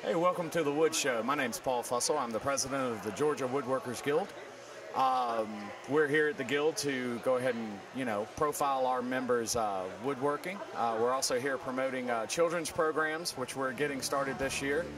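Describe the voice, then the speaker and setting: A man's voice: medium pitch, normal speed. A middle-aged man giving an informal promotional introduction as a guild president. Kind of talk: informal promotional talk to camera. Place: large exhibition hall. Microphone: handheld microphone. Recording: distant sound with music, busy hall.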